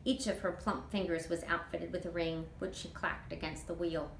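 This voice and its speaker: Female storyteller for children's fiction, expressive read-aloud, somewhat low voice, recorded with noticeable room echo. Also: moderate pace. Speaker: author reading her novel aloud. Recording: roomy echo, clear background noise.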